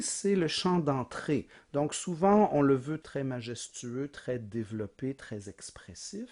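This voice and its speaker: A man's voice: mid-range voice, a little mellow. A man giving a recorded music history lecture, explaining patiently, asking rhetorical questions and singing short examples.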